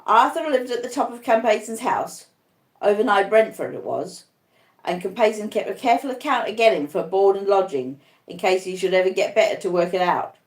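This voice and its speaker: A woman narrating an audiobook as a rough old convict, confiding his past in plain, uneducated, rustic speech. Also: mid-range voice, expressive, fairly quick, echoey room, close to an everyday voice. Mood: grim, reflective. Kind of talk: audiobook first-person narration.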